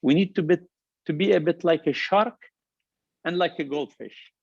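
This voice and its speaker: A man's voice: a little high, normal speed, creaky, a little mellow, slightly rough, no room sound, dull audio. A middle-aged man from Lebanon with a heavy Lebanese accent, giving an earnest, upbeat motivational talk about his business and his journey. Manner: earnest, upbeat, emphatic with repeated phrases. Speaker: restaurant company founder giving a talk. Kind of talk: motivational keynote speech.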